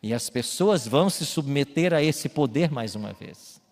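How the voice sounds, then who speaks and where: A man's voice: medium pitch, expressive, moderate pace. Man, pastor, sermon, emphatic preaching, long church reverb. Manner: emphatic preaching, rising to loud calls. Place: church with baptismal tank. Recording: long hall reverb, faint music.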